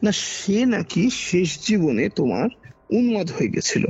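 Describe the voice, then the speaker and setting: Husky Kolkata Bengali man telling ghost stories. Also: high voice, very animated, measured pace, a little mellow. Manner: dramatic, repeats phrases for emphasis. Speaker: podcast guest recounting a personal ghost experience. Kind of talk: conversational ghost-story telling. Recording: dull lo-fi audio under background music. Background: background music.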